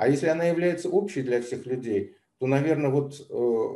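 Somewhat breathy, the voice has a dark, mellow tone. It moves at a moderate pace. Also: man. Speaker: professor. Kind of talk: interview. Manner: hesitant, many fillers.

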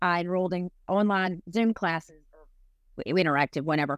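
Lively intonation in a Southern US accent, with a dry, close sound with no echo and a very clean recording, silent background. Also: woman. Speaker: sober coach. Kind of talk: casual conversation.

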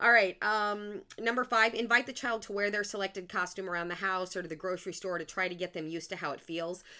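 A woman with a Midwestern US accent speaks at a very fast pace in a bright, sharp tone with ordinary pitch variation, on a very clean recording with a silent background. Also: medium pitch for a woman. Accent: US Midwest. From Iowa, Des Moines. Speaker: pediatric speech language pathologist, podcast host. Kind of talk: casual chat.

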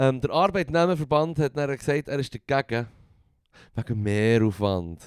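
This man has an unremarkable speaking voice at medium pitch, speaking at a moderate pace with lively intonation in a dry, close sound with no echo, on a very clean recording with a silent background. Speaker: podcast co-host. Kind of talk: casual chat.

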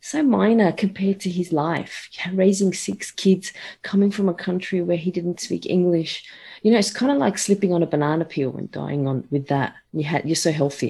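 Against a quiet background, a woman with a fairly low, somewhat breathy voice and a dark, mellow tone talks at a moderate pace with lively intonation. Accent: Australian. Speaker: personal trainer. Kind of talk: casual chat.

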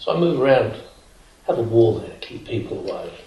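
A man is speaking over noticeable background noise. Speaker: retreat participant. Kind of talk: group dialogue.

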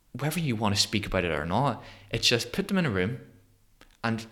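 A man with a Northern Irish accent speaks fairly quickly with a bright, sharp tone and lively intonation. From Northern Ireland, Belfast. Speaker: motivational speaker, former police officer. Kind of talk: casual interview.

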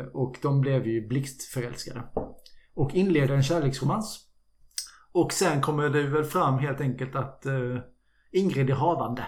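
A man's fairly high, somewhat breathy voice with ordinary pitch variation, long, frequent pauses and audible room echo. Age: 30s. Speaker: podcast co-host. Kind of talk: casual chat.

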